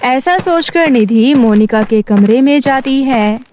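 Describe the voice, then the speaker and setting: A woman's voice: high voice, animated, unhurried, darkish tone, a little hiss or hum. A woman reading scripted narration as the storyteller of a children's moral tale.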